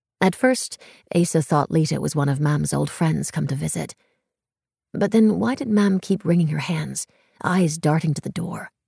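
With a very deep, low pitch and vocal fry, a woman speaks in a dark, mellow tone and lively intonation, the sound dry and close with no echo. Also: moderate pace. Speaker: audiobook narrator. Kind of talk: audiobook narration, reading aloud fiction. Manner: expressive, storytelling; measured, dramatic.

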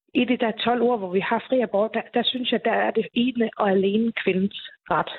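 Fairly high in pitch, this woman's voice is an ordinary speaking voice, delivered at a moderate pace with fairly even intonation. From Faroe Islands. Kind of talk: moderated panel discussion.

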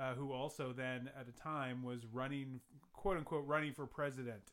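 A man with a plain, everyday voice speaks at a moderate pace, medium in pitch, with fairly even intonation. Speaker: podcast host. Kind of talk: casual chat; mock wrestling ring announcer intro.

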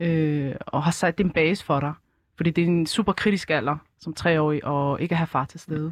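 Her voice sits very deep and low for a woman, with fairly even intonation. She speaks at a moderate pace. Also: dry, close sound with no echo. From Morocco, raised in Denmark from age 6. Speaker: painter and educator. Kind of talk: casual chat. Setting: studio.

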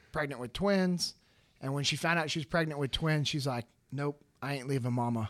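A man with an American accent and an ordinary speaking voice talks at a moderate pace, fairly high in pitch with ordinary pitch variation. The recording is very clean, with a silent background. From US West, Sacramento, California. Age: 30s. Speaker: former Navy SEAL, leadership consultant. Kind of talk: casual interview, war stories. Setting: studio.

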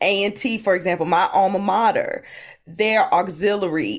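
A woman with an American accent has an ordinary speaking voice and ordinary pitch variation at a moderate pace. The recording is very clean, with a silent background. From Hampton, Virginia. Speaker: marching band alumna and band historian. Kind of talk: interview.

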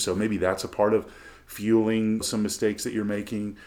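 Audible room echo surrounds a man who speaks very fast at a fairly low pitch. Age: 50s. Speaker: podcast co-host and pastor. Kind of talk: casual chat. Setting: in person at a church conference.

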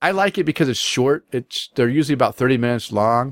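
With an American accent and a normal speaking voice, this man talks at a moderate pace with ordinary pitch variation, recorded dry and close with no echo on a very clean, silent background. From Boise, Idaho. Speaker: podcast host. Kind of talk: casual chat.

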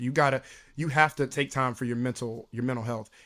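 In a very clean recording with a silent background, a man with an American accent speaks in a plain, everyday voice at medium pitch with fairly even intonation. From Houston, Texas (Third Ward). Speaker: producer, researcher and stand-up comic. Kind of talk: casual chat.

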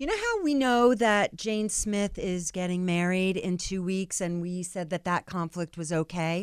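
In an ordinary speaking voice, a woman talks at a fairly slow pace and medium pitch with ordinary pitch variation and hardly any pauses, the sound dry and close with no echo. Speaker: casting director. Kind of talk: casual interview.

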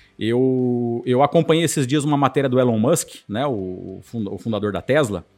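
This man has a plain, everyday voice, medium in pitch, moving at a fairly slow pace with ordinary pitch variation. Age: 40s. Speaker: franchise founder. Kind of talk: interview.

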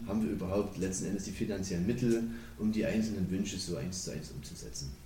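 A man's fairly low, dark and mellow voice with vocal fry, ordinary pitch movement, a very fast pace and audible room echo. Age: 30s. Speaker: head of construction and IT department in elderly care company. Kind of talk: podcast interview. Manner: formal.

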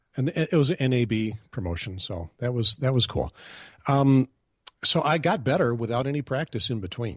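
Here a man with an American accent talks at a moderate pace and a medium pitch, with vocal fry. The sound is dry and close, with no echo. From US Midwest, Chicago. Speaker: amateur radio video podcaster. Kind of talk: interview. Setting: remote call-in to live show.

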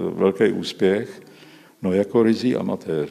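A man speaks in a dark, mellow, fairly low voice. His intonation stays flat and monotone. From Czechia, Prague. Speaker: retired teacher and amateur theatre director. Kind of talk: casual interview.

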